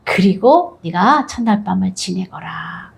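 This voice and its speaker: A woman's voice: animated, a little slow, creaky. A woman doing a crafty, scheming old father. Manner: low, firm, coaxing commands.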